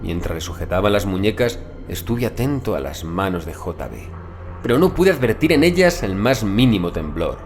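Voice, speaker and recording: A man narrating a scripted first-person horror story in a measured, deliberate literary manner. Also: deep voice, big pitch swings, a little hiss or hum. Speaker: audiobook narrator.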